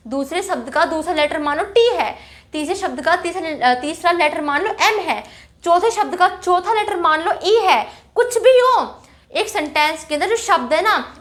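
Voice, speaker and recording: Woman, high voice, chatty grammar teacher, on English lines, frequent check-ins. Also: fairly bright tone. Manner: chatty, repeats "ठीक है" and rhetorical questions. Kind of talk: casual classroom explanation.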